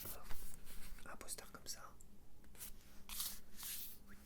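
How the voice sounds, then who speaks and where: A man whispers throughout, his voice soft, breathy and entirely unvoiced. He talks in a casual ASMR style, informally musing aloud as he goes. The delivery is unscripted and chatty. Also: slow pace. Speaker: ASMR video creator.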